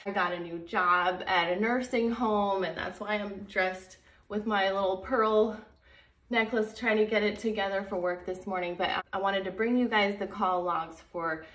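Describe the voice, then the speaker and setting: A woman's voice: mid-range voice, fairly even intonation, moderate pace, a bit bright, reverberant. A woman hosting a video channel, talking to viewers in a casual, chatty, rambling way. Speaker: host of a true crime video channel.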